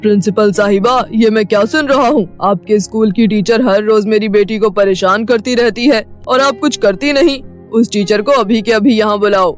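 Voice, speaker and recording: An arrogant, powerful cartoon father, voiced by an actor, demanding and bossy. His voice sits mid-pitch. Faint music plays under the dialogue. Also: moderate pace, natural voice. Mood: angry.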